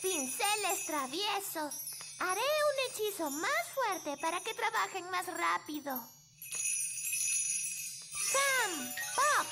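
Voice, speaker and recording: Impatient little princess for kids' cartoon: piping childish voice, measured pace, music underneath. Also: female voice, very high voice, exaggerated voice. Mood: bossy. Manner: childlike, bossy, excitable. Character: eager, impatient little fairy princess girl. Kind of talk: Spanish children's cartoon dub. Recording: loud music and jingles behind voice.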